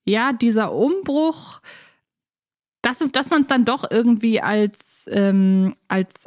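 A woman's voice: a little high, a little mellow, dry recording, studio quality. A woman talking casually as the host of a fan podcast.

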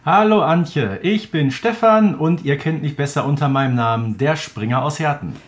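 Male podcast co-host, pitch a little high for a man, casual chat delivery. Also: moderate pace.

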